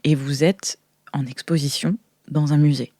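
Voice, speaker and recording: A woman's voice: deep voice, steady tone, moderate pace, dark tone, no echo, clean studio sound. A woman improvising a flustered, hesitant museum agent who explains things defensively in an audio roleplay. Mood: sheepish, explaining. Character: flustered young woman, junior integration agent in a futuristic museum.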